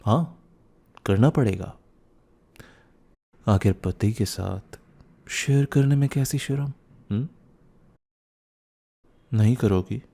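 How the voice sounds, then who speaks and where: A man's voice: lowish voice, takes it slowly, creaky, long pauses, dark tone, exaggerated voice. A young man playing a teasing, playful and cheekily bossy young husband who gets flustered, in a boyfriend ASMR roleplay, mixing in some English. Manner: teasing, repeats words, mixes in English.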